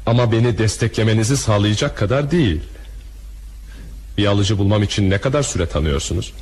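A man's voice: lowish voice, a little fast, a little mellow, husky. A man acting a proud, bitter hotel owner with a vengeful streak in a crime radio drama. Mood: pleading. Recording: faintly noisy radio drama recording.

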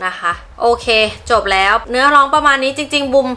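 Bright, fast-talking chatty woman. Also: high-pitched, soft background music. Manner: chatty and playful, talks about herself in the third person. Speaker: reaction video host. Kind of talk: casual reaction commentary.

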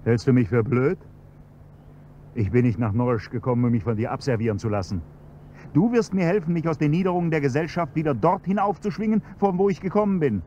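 An actor playing an insolent blackmailing chauffeur, a fallen gentleman, in a radio play, sneering and mocking. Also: fairly high pitch, lively intonation, brisk, lo-fi sound, a little hiss or hum, natural voice.

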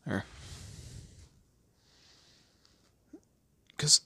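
A man playing a weary, wry kidnapped guy in a roleplay audio drama, speaking haltingly and conversationally. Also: bright, forceful tone, no echo. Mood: hesitant, curious. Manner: hesitant, halting, sardonic.

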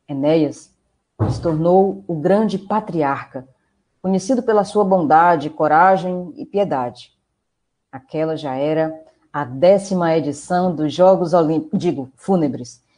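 A woman's voice: sits low, unhurried, mellow. A woman with a Brazilian accent, narrating a scripted tale in a theatrical, playful way.

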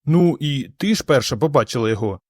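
A man voicing a gentle, thoughtful young woman with a soft, slightly sad manner in an audiobook. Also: mid-range voice, lively intonation, fast, no room sound, clean studio sound, close to an everyday voice. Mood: wistful. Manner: soft, wistful.

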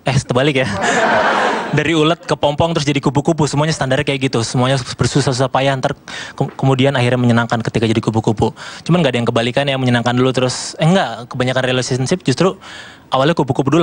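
A young man performing a stand-up comedy set on a TV studio stage, speaking into a handheld mic and jumping into animated voices for the dialogue he acts out. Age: young adult. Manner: animated, jumps into high-pitched voices for acted-out dialogue. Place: TV studio stage with live audience.

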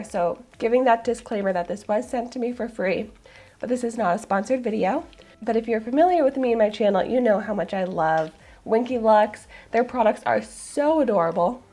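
A woman in her thirties, hoarse from a cold, gushing and candid as she reviews a product to camera in a small room. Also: a little high, darkish tone. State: hoarse, getting over a cold. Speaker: beauty vlogger. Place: small room in front of a floral backdrop.

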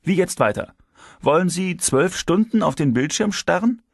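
A man voicing a shrewd, moralizing male security chief who used to be a detective, speaking in a lively, teasing way with a raised pitch. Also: normal speed, creaky, breathy edge, dry recording, clean studio sound, full character voice.

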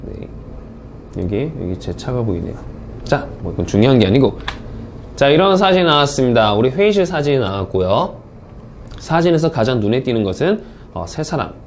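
A man teaching English speaking test strategies in a recorded online lecture, reading the example words slowly and clearly to show intonation. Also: mid-range voice, big pitch swings, a little hiss or hum. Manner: upbeat, drills intonation with slow example readings.

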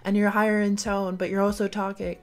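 A man doing an impression of a bubbly young valley-girl woman, energetic and playful. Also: sits high, brisk, voice pushed up. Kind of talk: voice impression demo.

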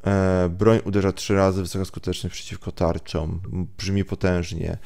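A man's voice: sits low, little pitch movement, normal speed, gravelly, darkish tone. A man hosting a let's play with casual, muttering, sweary gameplay commentary, slipping into English at times. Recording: game music behind.

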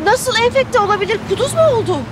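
An actress playing flustered hospital staff who apologizes and asks questions in a hurry. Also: female voice, extremely high pitch, fast talker, crowd noise, noisy background.

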